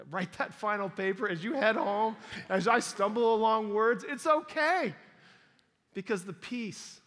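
A man's voice: fairly high pitch, a bit bright. A middle-aged man, a college chaplain, preaching a sermon on a chapel stage, earnest and repeating phrases for emphasis as he builds to exhortation. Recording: long chapel reverb.

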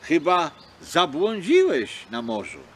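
A man voicing a large, unfriendly female seal who answers brusquely and booms when offended. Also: wildly swooping pitch, takes it slowly, a little hiss or hum, full character voice. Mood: dismissive. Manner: brusque, booming. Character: big unfriendly female seal, proud and touchy.

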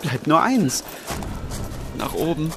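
An actor playing a nervous, grumbling reluctant sidekick in a crime audio drama, anxious and sarcastic. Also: male voice, a little high, sing-song, slow pace, creaky, music in the background, exaggerated voice. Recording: very noisy, vehicle sounds behind.

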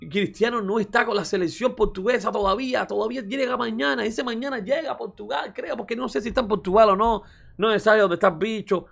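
Man, high voice, gravelly, casual football vlog, ranting, slangy, exasperated. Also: a bit bright. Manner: exasperated, ranting, addresses listener as brother; loose and slangy, with mild swearing. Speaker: football YouTuber.

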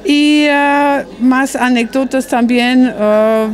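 A woman in her sixties with a German accent talks slowly in an interview, her voice pitched a bit high. She halts often, hunting for words and restarting phrases. She speaks into a handheld mic in a restaurant dining room. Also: fairly even intonation. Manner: halting, searching for words, frequent restarts. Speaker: author. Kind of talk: interview at a book presentation.

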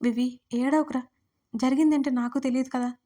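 A woman voicing a caring young man who gently teases and pleads with a friend in an audio story. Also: very high voice, fairly even intonation, moderate pace. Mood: worried pleading. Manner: pleading, soothing.

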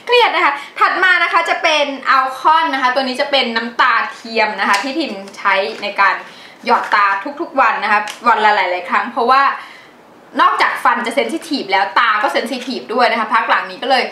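A chatty woman with a bright, higher voice talks through her used-up products in a casual, animated way. Her voice rings around an echoey room, with a faint hiss under it. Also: brisk. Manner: chatty, animated, laughs often. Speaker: beauty vlogger. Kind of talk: casual product review chat.

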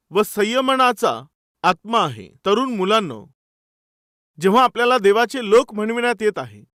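A man's voice: high voice, fairly bright tone, dry recording, studio quality. A male pastor preaching a sermon, asking the congregation rhetorical questions and reading out scripture verses. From India.

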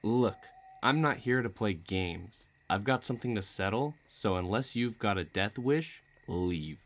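A man's voice: on the low side, expressive, a little slow. A man playing a menacing, bloodthirsty villain who taunts and threatens in an audio roleplay. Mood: angry, impatient. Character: menacing bloodthirsty male villain craving a duel.

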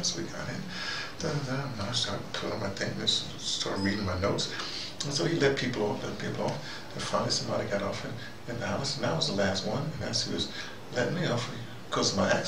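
A man hosting an informal monologue, telling anecdotes in a halting, digressive way and acting out both sides of exchanges. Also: medium pitch. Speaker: host of a recurring spoken dispatch. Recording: noisy, roomy recording, distant from mic.

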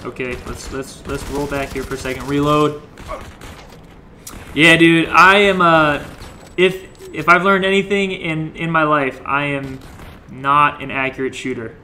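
A young man hosts a gameplay livestream in a casual, joking way, thanking followers between fights. His voice is bright and sits a little high, with a slight hoarseness from overuse. Faint gunfire from the game plays under his talk. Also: steady tone, measured pace, a little hiss or hum. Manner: chatty, joking, greets viewers while playing.

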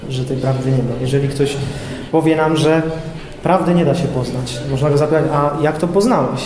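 A young man giving an informal lecture to high school students in a classroom, hesitating often with filler sounds as he explains. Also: moderate pace, a little mellow. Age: young adult. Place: classroom with projector screen, indoors. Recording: echoey room with long reverb, faint noise.

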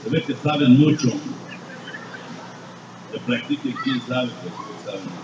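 Older Mexican man, profane, echoey distant. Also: a little slow. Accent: Mexican Spanish. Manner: crude and mocking, swings between low murmurs and loud shouts. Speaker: speaker at a recovery group meeting. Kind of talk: blunt, profane confessional testimony. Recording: distant, echoey, dull-sounding room recording with noise.

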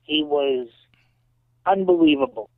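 A man in his late fifties, a guest in a casual interview, telling animated stories and often saying "you know". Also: on the high side, measured pace. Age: 50s. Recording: tinny dry phone line.

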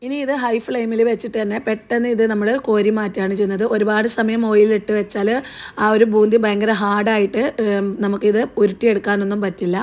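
A woman's voice: mid-range voice, level tone, quick pace, a little mellow. A woman with a Malayali accent, hosting a home cooking channel and narrating a recipe step by step in a chatty way with small fillers.

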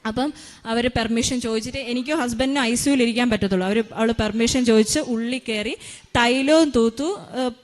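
A woman in her thirties with a Keralan accent, a mother giving an emotional testimony with restarts and fillers. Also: a little high. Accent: Keralan Malayalam. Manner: fast, emotional retelling with many restarts and fillers. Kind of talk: personal testimony storytelling.

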